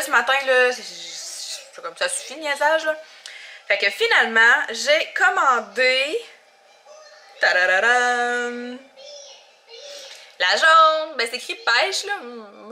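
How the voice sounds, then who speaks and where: A young woman with a Québécois French accent, chatting casually in a vlog, often laughing and filling pauses. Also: fairly high pitch, bright, forceful tone, slight background noise. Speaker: vlogger.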